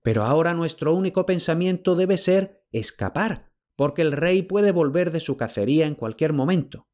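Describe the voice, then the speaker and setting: A man's voice: fairly high pitch, animated, normal speed, darkish tone, pitched above the performer's own voice, close to an everyday voice. A man voicing a queen in hiding who speaks with urgency and pleads with her husband. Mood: urgent.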